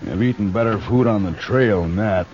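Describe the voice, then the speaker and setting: Villain: a gruff, scheming outlaw, muffled old radio recording with faint hiss. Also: male voice, fairly low pitch, moderate pace, a little mellow. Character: ruthless brutish outlaw man, cold and bossy. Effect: old 1950s radio broadcast recording. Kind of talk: 1950s radio drama acting.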